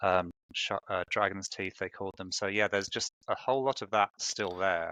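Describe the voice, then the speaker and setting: A man's fairly low, bright and sharp voice with an English accent, at a moderate pace with fairly even intonation, dry and close with no echo, against a quiet background. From southern England, Sussex. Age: 50s. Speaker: novelist. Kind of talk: interview. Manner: hesitant, many fillers.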